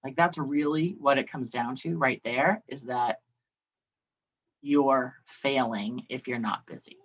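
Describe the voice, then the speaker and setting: Low-voiced woman, casual solo podcast host, chatty and a little profane; slightly dull recording. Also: takes it slowly, slightly rough. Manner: chatty, swears, acts out quoted voices. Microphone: video call.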